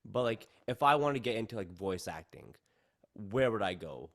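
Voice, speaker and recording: A man hosting a casual podcast, asking excitable, rambling questions of his guest. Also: fairly low pitch, moderate pace. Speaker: podcast host. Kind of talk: casual interview chat.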